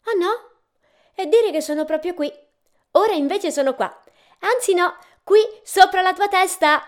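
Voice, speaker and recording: A woman reading a storybook aloud and voicing a playful, teasing angel in a high, bouncy voice. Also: sing-song, unhurried, darkish tone, exaggerated voice.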